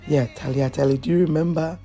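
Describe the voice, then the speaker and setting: A woman hosting a cooking video, chatty and hoarse from a flu, often checking in with "okay?". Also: low voice, fairly even intonation, fairly quick, warm tone, soft background music. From Ghana. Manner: chatty, repeats phrases, asks "okay?" often. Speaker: cooking channel host. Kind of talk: casual cooking tutorial.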